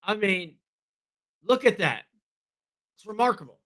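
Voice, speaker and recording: A man hosting a casual livestream and talking to his viewers, hoarse and losing his voice, clearing his throat and repeating himself as he rambles. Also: sits high, lively intonation, measured pace, fairly bright tone. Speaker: livestream host.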